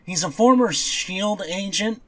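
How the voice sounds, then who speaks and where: A man's voice: high voice, unhurried, a bit bright. A man co-hosting a podcast in casual, blunt chat about comics, dismissive and given to offhand swearing. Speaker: podcast co-host.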